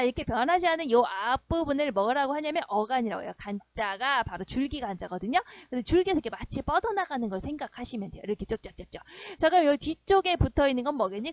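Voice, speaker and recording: A woman's voice: a little high, dry recording. A woman teacher giving an online grammar lesson, explaining step by step and often checking that students follow. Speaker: middle school Korean teacher. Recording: dry, dull lo-fi sound.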